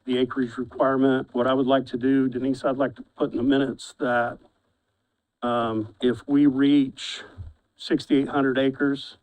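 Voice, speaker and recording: A man with a medium-pitched, level, somewhat dark voice chairs a county commissioners' meeting on a low-quality recording. He reads agenda items in halting formal procedure, often restarting sentences and repeating words as he does.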